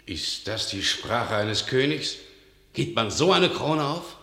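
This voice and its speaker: A hot-tempered noble warrior who defies his king. His middle-pitched voice is bright and forceful, declaiming verse with indignant emphasis. It rings in an echoing radio-play room. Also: sing-song, slow, creaky, heavily acted. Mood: indignant, defiant. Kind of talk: classical verse radio drama acting.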